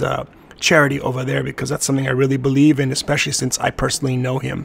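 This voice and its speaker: Over noticeable background noise, a man with a fairly high pitch speaks very fast in a monotone, flat intonation. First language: not Portuguese; non-Brazilian. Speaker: capoeira master and musician. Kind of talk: casual monologue to supporters.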